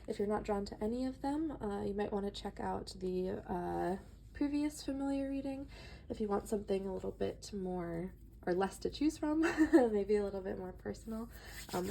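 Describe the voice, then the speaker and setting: A woman's voice: mid-range voice, vocal fry, a little hiss or hum, low-quality recording. A woman giving a casual, chatty tarot reading with a stuffy nose, sounding slightly out of breath. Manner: chatty and relaxed, reads book passages aloud. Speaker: tarot reader.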